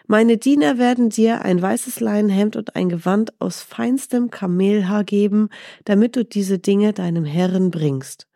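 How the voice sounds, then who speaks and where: A woman voicing a noble, generous male sheikh in a storybook, speaking calmly and graciously. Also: medium pitch, unhurried, gravelly, no echo, clean studio sound.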